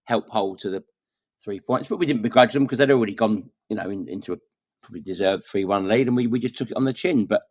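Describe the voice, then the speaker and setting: A man giving measured, conversational football analysis as a podcast guest. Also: fairly low pitch, a little mellow, husky, no room sound. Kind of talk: casual football chat.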